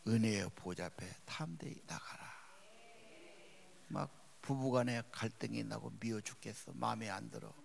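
A male pastor preaching a sermon, with emphatic rises and drops in loudness. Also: on the low side, vocal fry, slight background noise. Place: church sanctuary.

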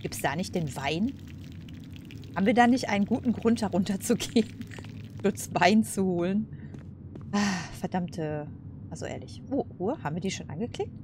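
A woman's voice: medium pitch, lively intonation, normal speed, long pauses, noisy background. A woman hosting a let's play, chatting casually and musing aloud in informal slang. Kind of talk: casual gaming commentary.

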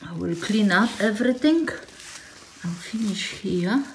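Slow-talking Polish woman doing home repairs. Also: medium pitch, lively intonation, a little hiss or hum. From Poland. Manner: slow, plain, non-native English with dropped words. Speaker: DIY vlogger. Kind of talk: casual home-renovation commentary. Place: small tiled laundry room indoors.

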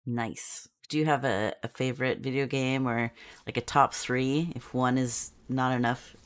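A woman's voice: rumbling low, fairly even intonation, measured pace. A woman hosting a video-call talk show, bubbly and chatty, laughing easily. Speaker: podcast host. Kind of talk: casual interview chat. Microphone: headset on video call.

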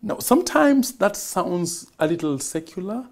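Lively-voiced Kenyan TV host. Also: male voice, sits high, a little slow. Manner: affirming, frequent mm-hmms, leading questions with tag "right?". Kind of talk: studio TV interview. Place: TV studio set.

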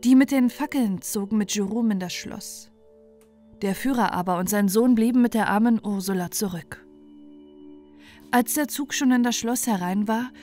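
A woman's voice: mid-range voice, mellow. A woman narrating a scripted bedtime fairy tale as a storyteller. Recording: music bed under the voice.

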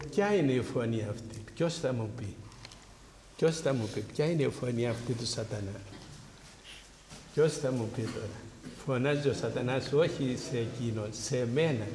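A man's voice: medium pitch, a little mellow, a little hiss or hum. A man, a priest, giving a spiritual talk to a congregation and asking them rhetorical questions. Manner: preaching with rhetorical questions to the audience. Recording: roomy hall with long echo.

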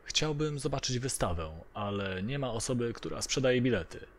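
A man's voice: medium pitch, lively intonation, normal speed, slight background noise, voice pushed up, close to an everyday voice. A man narrating a horror story, speaking as an earnest, questioning male traveller. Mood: hopeful. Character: disappointed male traveller hoping to see an exhibition.

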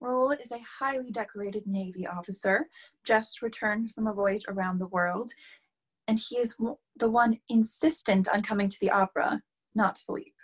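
A woman's voice: medium pitch, normal speed, husky, lightly acted, poor audio. A young woman playing a flustered, theatrical opera performer in a staged reading. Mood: defensive. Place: plain room, video call.

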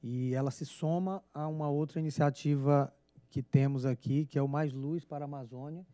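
A Brazilian man with a Brazilian Portuguese accent, an agency director making calm formal remarks over a video call. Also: a little high, normal speed, dry recording.

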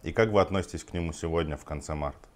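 A man's voice: sits low, racing. A man hosting an interview, asking direct, probing questions.

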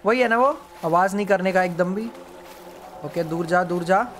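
A man's voice: high voice, moderate pace, slight background noise. Jumpy male streamer yelping at a game. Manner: jumpy, yelps and pleads with the monster, then hushes to a whisper. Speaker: gaming streamer. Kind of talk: live gameplay commentary.

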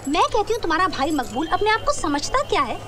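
An actress playing a loud, headstrong activist wife who speaks out indignantly. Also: female voice, extremely high pitch, sing-song, quick pace, exaggerated voice. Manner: indignant and declamatory. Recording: film soundtrack with crowd noise.

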